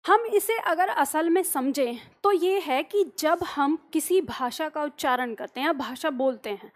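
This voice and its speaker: High-voiced woman teaching Hindi grammar. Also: a little slow. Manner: asks questions and answers them herself; explains patiently with everyday examples. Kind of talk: classroom grammar lesson.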